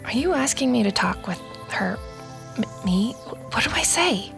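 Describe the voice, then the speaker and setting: An earnest, bewildered teenage girl in an audio drama. She speaks in a high voice over music. Her delivery is halting and sincere, as if unsure of her footing. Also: lively intonation, gravelly, exaggerated voice. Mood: troubled. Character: bewildered, earnest sixteen-year-old artistic girl. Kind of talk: audio fiction drama acting.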